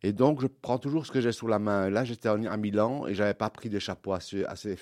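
A middle-aged man from Belgium, an interview guest who talks about his craft in an animated way and often repeats words. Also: lowish voice, a little fast. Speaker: milliner guest. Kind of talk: interview answers.

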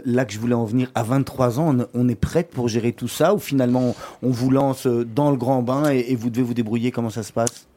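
A man's voice: mid-range voice, fairly even intonation, fairly quick, mellow. A man hosting a business talk show, hesitant and often repeating his words. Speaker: host.

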